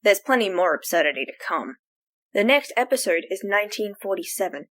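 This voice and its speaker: A woman's voice: medium pitch, animated, fairly quick, a bit bright. A woman reading a scripted end-credits announcement for an audio drama.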